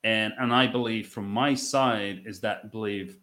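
A man in his thirties from the Netherlands with a Dutch accent, telling his story conversationally as a podcast guest, in a reflective way with halting phrasing and repeated words. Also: on the low side, pushed and bright. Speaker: podcast guest, business owner.

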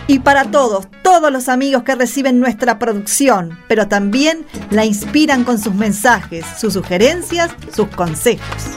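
A woman's voice: on the high side, animated, moderate pace, few pauses. An Argentine woman speaking colloquially as a guest in a conversational radio segment. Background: music.

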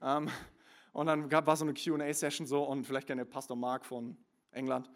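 A young man preaching a sermon, sliding from soft confiding asides into loud emphatic calls, with many fillers and restarts. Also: mid-range voice, little pitch movement, fairly quick. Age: young adult. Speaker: pastor.

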